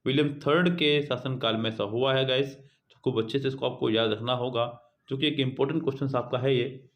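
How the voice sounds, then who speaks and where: A male teacher with a mid-pitched voice works through exam questions for his students. He reads each question aloud slowly, then explains the answer in a conversational tone and keeps calling out to the class. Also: fairly even intonation. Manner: keeps addressing students as "guys" and "children". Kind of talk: exam prep lesson, reading questions aloud.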